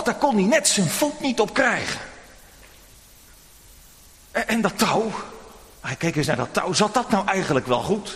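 Lively man telling a children's sermon. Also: sits high. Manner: gentle storytelling, addressing children directly. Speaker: preacher. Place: church. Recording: long church reverb.

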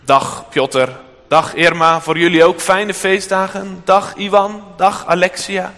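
A man voicing a kind, hopeful old male shoemaker in a storybook reading, soft-spoken and gentle. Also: sits high, steady tone, takes it slowly, in a large hall, voice pushed up, exaggerated voice. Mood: kindly.

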